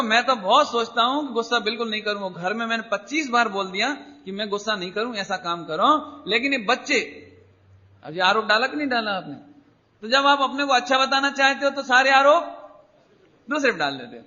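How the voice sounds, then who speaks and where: A man delivers a religious discourse in a strikingly high, bright and cutting voice. He teaches by prodding his audience with questions and slipping into little acted-out quotes of ordinary people. The recording is muffled and lo-fi. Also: expressive, normal speed. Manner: keeps quizzing the audience with rhetorical questions; acts out everyday people in quoted asides. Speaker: spiritual teacher.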